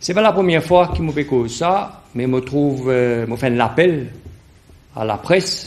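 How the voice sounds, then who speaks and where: Over light background noise, a man with a Mauritian accent speaks at a fairly slow pace with ordinary pitch variation. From Mauritius. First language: Mauritian Creole (speaking French). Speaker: politician; party spokesman. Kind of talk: press statement. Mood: earnest, concerned. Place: meeting room. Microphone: podium.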